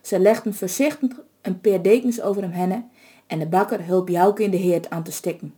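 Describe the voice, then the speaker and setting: Dark-toned woman telling a folk tale. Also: medium pitch, moderate pace. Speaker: storyteller. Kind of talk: reading a folk tale aloud.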